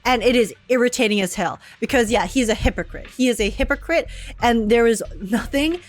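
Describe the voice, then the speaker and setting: A woman's voice: fairly high pitch, brisk, slight background noise. A woman streamer reacting live to a video game with emphatic, sweary, informal commentary. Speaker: gaming streamer. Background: game music.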